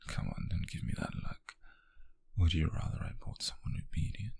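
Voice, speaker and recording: A British man playing a possessive, obsessive, smug wealthy captor in an intimate ASMR roleplay, husky and whispery, speaking softly and deliberately close to the mic. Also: no room sound, close to an everyday voice. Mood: teasing, possessive. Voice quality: breathy, husky, gravelly whisper. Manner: slow, deliberate, menacingly soft. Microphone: close microphone, dry.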